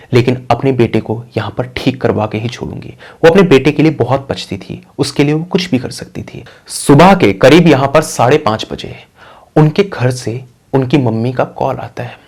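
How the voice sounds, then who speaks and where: Man, horror story narrator, hushed unhurried retelling, mid pitch.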